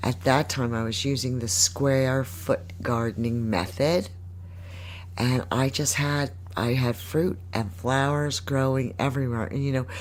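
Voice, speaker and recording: A woman talks fairly slowly in a very deep, low pitch, her intonation lively against noticeable background noise. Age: 60s. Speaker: gardening podcast host. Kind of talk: casual monologue podcast. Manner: animated.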